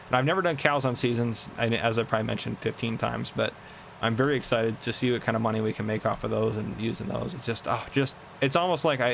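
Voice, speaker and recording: A young man with a gravelly, creaky voice rambles through relaxed gameplay commentary, chuckling now and then. His voice sits at an ordinary pitch, and a faint hiss of background noise runs under it. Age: 20s. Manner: chatty, rambling, laughs often. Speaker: gaming channel host. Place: home room.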